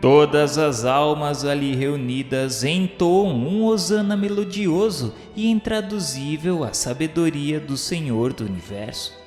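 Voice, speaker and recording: Echoey, very slow, solemn male narrator. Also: a little high. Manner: reverent, declamatory, literary delivery. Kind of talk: solemn scripted radio drama narration. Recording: echoey hall-like reverb with music. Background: music.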